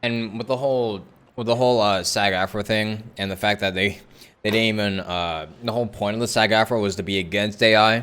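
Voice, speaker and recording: A man's voice: on the low side, fairly even intonation, fairly quick, a bit bright, smooth. A man casually commentating on a game live stream, rambling as he chats with viewers. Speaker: game livestreamer. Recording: game music behind the voice.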